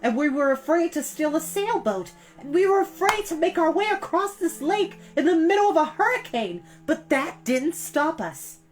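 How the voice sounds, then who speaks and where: A woman's voice: sits high, big pitch swings, normal speed, hardly any pauses, soft background music, voice pushed up. A woman voicing a bold young girl in a children's storybook, speaking in an urgent, firm and insistent way. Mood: firm, brave. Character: bold, impatient young girl, earnest older sister.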